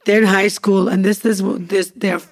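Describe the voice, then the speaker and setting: A woman's voice: mid-range voice, flat delivery, normal speed. A woman in her forties co-hosts a casual podcast with her husband. She speaks earnestly and upbeat, building her points as short lists. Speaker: podcast co-host. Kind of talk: casual couple's podcast chat.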